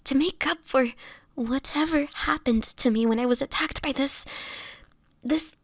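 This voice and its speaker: A woman playing a sickly, gentle homeless woman turning vampire in an intimate audio roleplay, with a whispery, hesitant delivery. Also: high voice, no echo, studio quality. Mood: guilty, confessional. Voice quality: breathy, whispery. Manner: halting, hesitant, fragile delivery.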